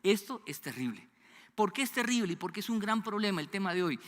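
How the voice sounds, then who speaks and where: A Colombian man in his fifties with a Bogotá accent, preaching a sermon in an animated way, asking the congregation questions and sometimes dropping to a low, hushed voice. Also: fast. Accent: Colombian Spanish (Bogotá). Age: 50s. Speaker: pastor. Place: church sanctuary. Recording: long church hall reverb.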